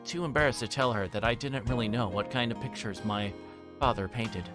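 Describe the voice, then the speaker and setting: A man's voice: mid-range voice, fairly quick, music in the background. A man livestreaming a visual novel, reading the text aloud and sometimes stumbling and correcting himself.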